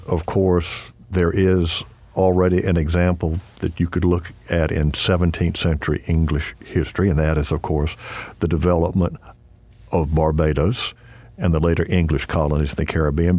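A man hosting an interview, asking questions in a relaxed, conversational way. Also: sits low, moderate pace. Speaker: interviewer, host.

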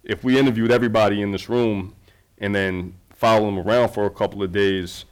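Male filmmaker guest, somewhat low voice, easygoing rambling delivery. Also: steady tone, fairly quick, clear, resonant tone. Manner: loose, rambling, fillers and restarts. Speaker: documentary filmmaker. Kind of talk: casual conversation.

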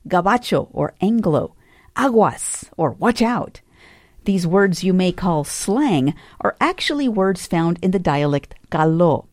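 A woman hosts a public radio program in a very dry studio. Her voice sits somewhat low, and her delivery is measured and clear. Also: expressive, a little mellow, no echo. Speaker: radio host.

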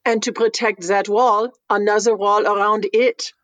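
A woman playing a dry, deadpan installation artist in a radio comedy sketch. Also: medium pitch, moderate pace, no room sound, lightly acted.

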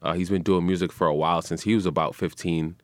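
A young man with a deep voice talks quickly and casually as a guest in a radio studio, with no echo in the recording. He's a musician and radio personality, relaxed and easygoing in this interview chat, often dropping "man" and "you know."

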